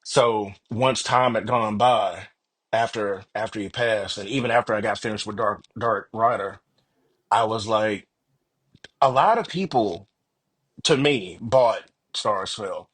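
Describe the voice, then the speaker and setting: Male author guest, low rough-edged voice, casual and earnest, acts out his inner dialogue. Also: measured pace, a bit bright. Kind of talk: casual, animated interview chat.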